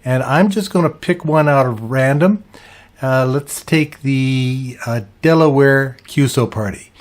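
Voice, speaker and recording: A man hosts an instructional video, explaining each step in a measured way. His pitch sits in the middle range for a man, and he takes his time with an unhurried delivery. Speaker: ham radio video host. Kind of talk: instructional narration, walking through a website.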